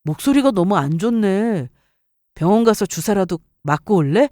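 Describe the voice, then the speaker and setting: A woman voicing a considerate, practical young fiancé in a story, gentle and matter-of-fact. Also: mid-range voice, lively intonation, moderate pace, dry recording, clean studio sound, natural voice. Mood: concerned.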